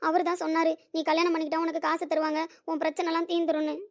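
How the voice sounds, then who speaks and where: Woman as a young woman pleading for help, high and fast, audio drama. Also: flat delivery. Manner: pleading, urgent. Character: desperate young woman needing money for her father.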